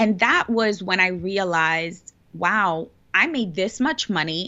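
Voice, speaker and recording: A woman speaks with an American accent at a fairly slow pace, medium in pitch. It is a normal speaking voice, with ordinary pitch variation. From New York City, the Bronx. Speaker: financial coach. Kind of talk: casual interview.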